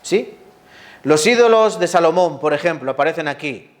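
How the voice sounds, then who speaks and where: Man, sermon, fairly high voice, rhetorical questions, lively delivery. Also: moderate pace. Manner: lively, asks the audience rhetorical questions, acts out quotes. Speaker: preacher.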